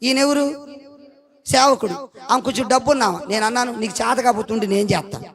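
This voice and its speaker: A middle-aged pastor, preaching an animated sermon full of stories in which he acts out the people he quotes, breaking into loud shouts of hallelujah. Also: very high voice, fast. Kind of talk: sermon with anecdotes.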